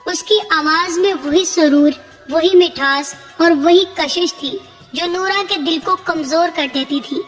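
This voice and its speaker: A woman narrating a scripted supernatural story in a steady, dramatic reading. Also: very high voice, soft background music.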